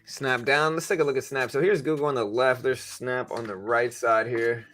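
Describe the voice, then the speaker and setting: A man's voice: medium pitch, steady tone, moderate pace, a bit bright. A man hosting a casual market livestream, chatting informally to viewers and thinking aloud as he goes. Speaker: livestream host, stock trader. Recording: music playing in the background. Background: music.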